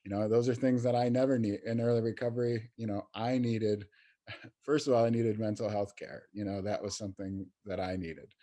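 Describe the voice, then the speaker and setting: A man's voice: lowish voice, little pitch movement, fairly quick, mellow. A man speaking as a guest in a podcast interview, talking in a casual, hesitant way with many fillers and restarts. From New York State, USA. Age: adult in recovery, peer professional. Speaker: youth recovery program coordinator, guest.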